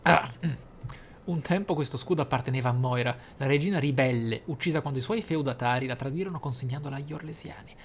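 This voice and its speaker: A man commentating his game playthrough, thinking aloud in a deliberate, theatrical way with dramatic pauses. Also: medium pitch, slight background noise. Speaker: gaming YouTuber, player. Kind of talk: game playthrough commentary with role-play musing. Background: game music.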